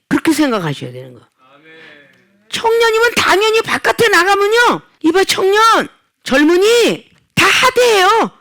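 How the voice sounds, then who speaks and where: A middle-aged woman pastor preaching a sermon, swinging between loud and quiet and acting out quoted dialogue. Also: extremely high pitch. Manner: acts out quoted dialogue in the talk.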